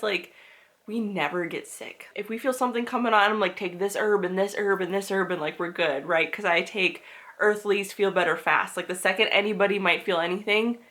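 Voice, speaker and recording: Talking to her camera in a relaxed vlog, a young woman who covers books and lifestyle speaks in a mid-range, slightly bright voice. Though congested and coughing, she's chatty and upbeat, peppering her speech with "like" and frequent laughter.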